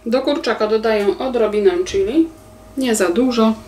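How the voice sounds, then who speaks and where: Woman, 40s, cooking host; calm step-by-step explainer, recorded at a distance in an echoey home kitchen. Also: a little high, moderate pace. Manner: calm step-by-step explaining, addresses viewers politely. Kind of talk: recipe instructions. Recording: roomy kitchen echo, voice a bit distant.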